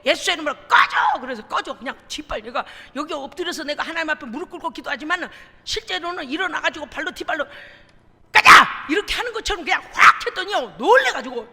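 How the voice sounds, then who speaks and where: A woman pastor preaching a lively sermon in a church, emphatic and often prompting the congregation for responses. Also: high-pitched. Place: church sanctuary. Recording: long reverb of a church hall.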